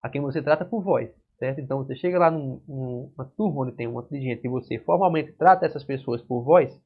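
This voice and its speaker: Male Brazilian prep teacher, mid-pitched and husky, keeps asking "right?" as he explains. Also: a little fast. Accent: Brazilian Portuguese. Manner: explains step by step with frequent "certo?" and "né?" checks. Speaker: exam-prep Portuguese teacher. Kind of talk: whiteboard grammar lesson. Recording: dull lo-fi classroom recording.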